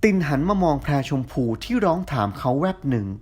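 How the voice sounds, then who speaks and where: Lively woman reading a romance novel. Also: deep voice, fairly quick, breathy edge. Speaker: audiobook narrator. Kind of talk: scripted novel narration.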